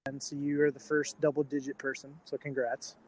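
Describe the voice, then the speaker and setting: A man's voice: medium pitch, monotone, a little fast, low-quality recording. A young American man in his twenties from Florida, hosting a casual podcast chat and interviewing a guest. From Florida, United States.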